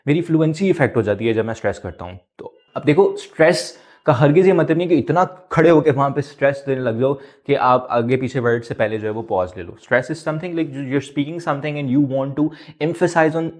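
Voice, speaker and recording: A man's voice: mid-range voice, a little mellow. A man, an exam-prep instructor, giving a video lesson, switching between Hindi-Urdu and English and repeating his key points.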